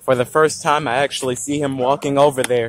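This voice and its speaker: Light background noise sits behind a man of medium pitch speaking at a fairly quick pace, in a dry sound with no echo. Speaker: YouTuber vlogger. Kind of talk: casual vlog while walking a dog. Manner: casual, chatty, animated. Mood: relaxed, amused. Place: street. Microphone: phone near.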